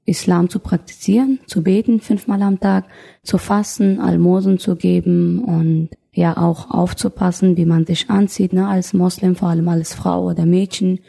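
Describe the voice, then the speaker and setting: Interview guest: woman, 30s, from Afghanistan, gravelly low-lit tone, reflective and searching for words. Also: steady tone, moderate pace, mellow. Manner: thoughtful, searching for words, frequent restarts. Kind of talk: personal testimony in conversation.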